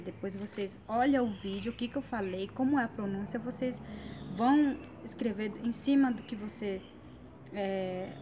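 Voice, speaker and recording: A woman whose first language is Guarani, with a Guarani accent, teaching phrases in a casual online lesson, slowly repeating each phrase with frequent hesitations. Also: on the high side, background noise.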